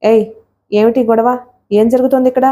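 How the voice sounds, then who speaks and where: A woman's voice: on the high side, steady tone, fairly quick, warm tone, natural voice. A woman voicing a corrupt male police inspector who barks at the weak and fawns on the rich. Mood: bullying. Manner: barking, then servile.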